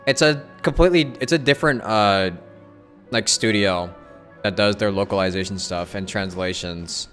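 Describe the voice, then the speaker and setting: A male game streamer with a fairly low voice. He gives casual, informal live commentary to his viewers, with faint game music playing behind him. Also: moderate pace, a bit bright.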